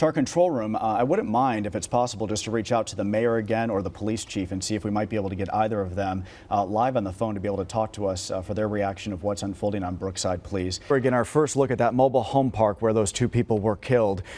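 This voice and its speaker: Talking at a very fast pace with hardly any pauses, a man uses a fairly low pitch and ordinary pitch variation. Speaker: TV news anchor and reporter. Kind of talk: TV news read. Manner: friendly, conversational.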